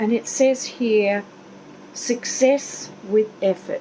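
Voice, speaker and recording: Through noticeable background noise, a woman with an Australian accent speaks at a fairly high pitch. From Queensland, Australia. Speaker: tarot reader. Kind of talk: casual talk to camera.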